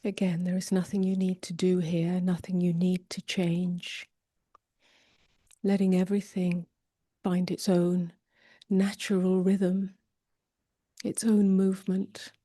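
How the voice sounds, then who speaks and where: A woman meditation teacher leading a guided meditation softly and gently, often drifting toward a whisper, with long pauses. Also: lowish voice, little pitch movement, no echo, studio quality. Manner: soft, breathy delivery drifting toward a whisper.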